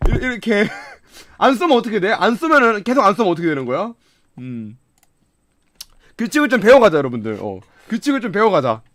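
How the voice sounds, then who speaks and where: A gaming streamer with a very high, lively voice talks casually and excitably at a quick pace, swinging from quiet mumbling to loud shouts and laughter. The recording is close and dry, with no room sound.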